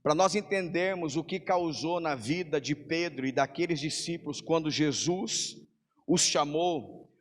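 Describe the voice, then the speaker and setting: High-voiced Brazilian pastor preaching in a reverberant church. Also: male voice. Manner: preaches to the congregation, calling them brother; stacks long rapid lists for emphasis. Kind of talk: sermon. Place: church hall. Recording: long hall reverb.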